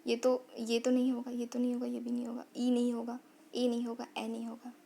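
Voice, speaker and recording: A woman's voice: fairly high pitch, completely flat delivery, a little fast, vocal fry, dark tone, slight background noise. Woman teaching vowels, repeating herself. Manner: repeats phrases, sounds out vowels as examples. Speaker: Hindi grammar teacher. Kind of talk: online lesson explaining vowel sounds.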